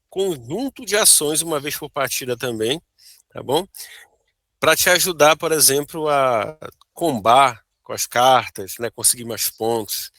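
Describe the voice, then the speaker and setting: A man's voice: mid-range voice, sharp tone, no room sound, clean studio sound. A Brazilian man, a board game designer, explaining his prototype over a video call, checking in with "né?" and "tá bom?". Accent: Brazilian Portuguese. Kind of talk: casual interview chat.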